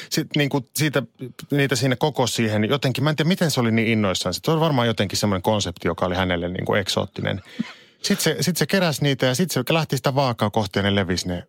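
A man co-hosting a casual morning radio chat, telling stories in an animated way and acting out other people's thoughts. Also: on the low side, dry recording, studio quality. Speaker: radio co-host. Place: radio studio.

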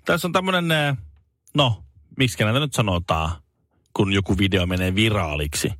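A man's voice: no room sound, studio quality. A man co-hosting a casual chat show, telling stories with lots of fillers and sudden comic voices. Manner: animated storyteller, hesitant fillers, jumps into high comic voices. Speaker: podcast co-host.

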